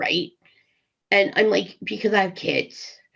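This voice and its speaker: A woman with a Canadian accent talks at a fairly quick pace. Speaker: panelist with lived experience, outreach worker. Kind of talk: panel discussion. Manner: loud; halting, many fillers.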